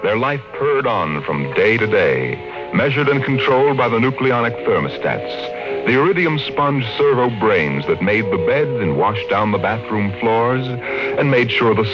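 An American man giving measured, dramatic scripted narration as announcer of a 1950s radio drama. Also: fairly low pitch, rough recording. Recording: vintage 1950s radio broadcast with music.

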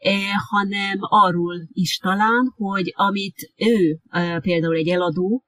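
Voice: mid-range voice, steady tone, fairly bright tone, no echo. Hesitant interviewer with a dry, close sound. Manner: hesitant, many filler sounds. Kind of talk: conversational interview. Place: lives in Japan.

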